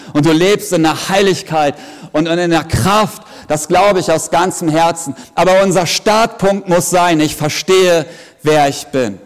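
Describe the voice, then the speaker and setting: Emphatic preacher in a big echoing hall. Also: male voice, a little high. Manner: emphatic, earnest and joking in turns. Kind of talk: sermon. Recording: long reverb of a big hall.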